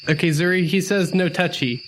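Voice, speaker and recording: A man's voice: sits high, brisk, a bit bright, slight background noise. A man playing a tabletop game, casually improvising and thinking aloud in a hesitant way. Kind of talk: casual improvised roleplay chat.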